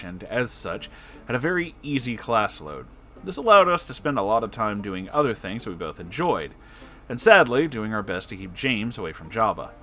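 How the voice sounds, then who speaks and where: A man reading internet stories aloud in an expressive, effusive way, breaking in with casual, emotional asides. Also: lowish voice. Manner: emotional, effusive, reactive, profane.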